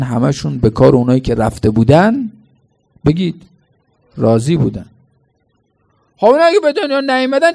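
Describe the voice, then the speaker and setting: A man's voice: on the high side, gravelly, a little mellow. A man preaching a sermon at a mourning gathering, firing rhetorical questions and answering them emphatically.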